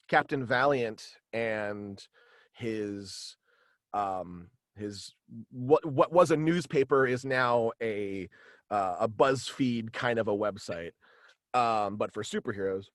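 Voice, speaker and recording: Young guy rambling casually in an interview, stop and start, close mic, dry room, medium pitch. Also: fairly bright tone, no echo. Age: young adult. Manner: hesitant, halting, rambling. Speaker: interview guest, voice actor. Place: small indoor room with acoustic padding, video call. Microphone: close studio mic, headphones.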